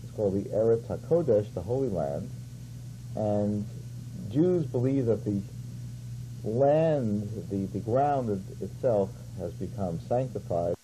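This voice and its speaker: Man, interview guest, measured, searching for words, dark mellow tone, faint hum. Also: on the low side, expressive, poor audio. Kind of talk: explaining in an interview. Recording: 1980s cable TV studio tape, faint hum.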